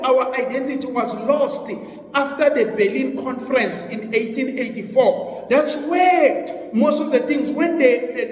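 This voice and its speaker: Older guy teaching about ancestral spirits, really high voice, keeps repeating himself to drive it home. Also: darkish tone. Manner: earnest, repeats phrases for emphasis, rising rhetorical questions. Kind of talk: explanatory talk on ancestry and spirits. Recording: echoey room with long reverb.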